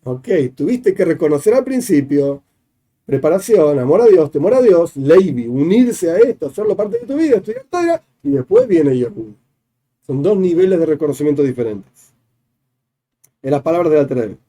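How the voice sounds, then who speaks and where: A man's voice: fairly high pitch, big pitch swings, moderate pace, mellow. A man, a rabbi teaching a Hasidic discourse, explaining each idea step by step with repeated definitions. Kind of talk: explanatory religious class.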